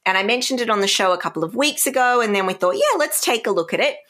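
A woman's voice: a little high, expressive, quick pace, sharp tone. A woman co-hosting a radio show, chatting and reviewing in a casual style.

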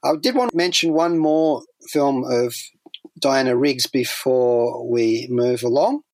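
Male pop culture radio presenter, medium pitch, whimsical and wordy, wry asides, very dry studio. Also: slow pace, darkish tone, dry recording. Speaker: radio show host.

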